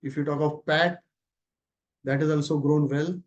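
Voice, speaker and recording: A man's voice: on the high side, steady tone, normal speed. A man with an Indian accent giving a company results presentation as an executive on a conference call, speaking informally. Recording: muffled, lo-fi conference call audio.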